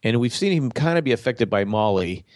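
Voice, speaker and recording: A man's voice: medium pitch, animated, fairly quick, a little mellow, dry recording, clean studio sound. A congested man with a nasal voice, co-hosting a casual TV podcast and rambling through his theory with many restarts. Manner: rambling, restarts mid-sentence. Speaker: podcast co-host. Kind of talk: casual TV discussion.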